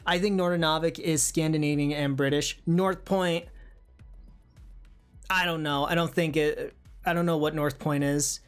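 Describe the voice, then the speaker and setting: A livestream host chatting casually and reading viewer comments, thinking out loud in a hesitant, musing way. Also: medium pitch, fairly even intonation, normal speed, clean tone, soft background music.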